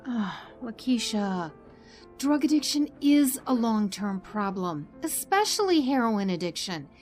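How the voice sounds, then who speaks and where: Female doctor, audio drama: principled, caring, earnest, slightly high voice over soft music. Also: big pitch swings, unhurried. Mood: earnest, gently firm. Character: caring, principled woman doctor, torn by duty.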